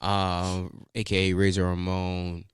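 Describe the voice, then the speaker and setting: A young man with a Baltimore accent co-hosting a podcast, talking casually in relaxed slang with lots of fillers. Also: deep voice, slow pace, clear, resonant tone, no room sound, studio quality. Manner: laid-back, filler-heavy slang talk. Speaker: podcast co-host. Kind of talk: casual chat.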